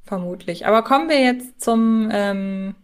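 Casting: female co-host with an average-pitched voice, informal and reflective, thinking aloud in a fan discussion. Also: unhurried, smooth. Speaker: podcast co-host.

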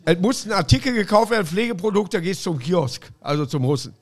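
A man hosting a casual podcast chat, telling anecdotes and throwing in quick jokes and punchlines. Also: sits high, animated. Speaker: podcast host.

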